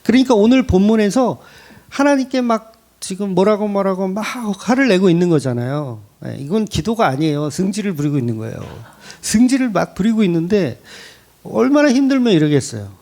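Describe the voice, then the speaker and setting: Animated Korean pastor preaching a sermon. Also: male voice, high-pitched, fairly quick. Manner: conversational, asks the congregation questions; lively, rising emphasis. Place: church.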